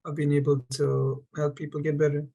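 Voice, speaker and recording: A nursing student from India, hesitant and full of fillers, speaking on a webinar panel. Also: male voice, a little high, completely flat delivery, fairly quick, vocal fry, dark tone. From India, raised in Saudi Arabia. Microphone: video call.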